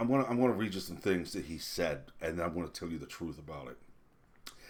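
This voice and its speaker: A man puts on a character voice that is raspy and very deep, low in pitch. He talks at a fairly quick pace with lively intonation. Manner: trying not to laugh.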